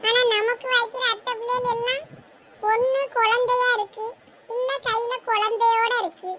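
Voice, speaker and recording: A voice actor playing a lazy, grumpy young man in a cartoon, grumbling and sarcastic, with a squeaky sped-up voice. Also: flat delivery, normal speed, sharp tone, a little hiss or hum. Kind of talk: cartoon voice acting.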